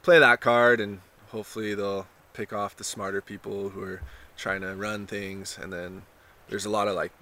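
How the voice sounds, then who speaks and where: A young man talking in a relaxed surfer way, full of "you know" and "like", in a casual interview. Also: lowish voice, moderate pace. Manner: laid-back surfer talk, lots of "you know" and "like". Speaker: contestant being interviewed.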